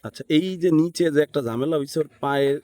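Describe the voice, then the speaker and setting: A man with a Bangladeshi accent talks through a tutorial step by step in a mid-range voice. He is casual and unscripted, thinking out loud as he works and often tacking on a short question to check in. The sound is dry, with little room echo. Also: medium pitch, fast. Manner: thinks aloud, often seeks agreement with short tag questions. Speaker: tutorial instructor.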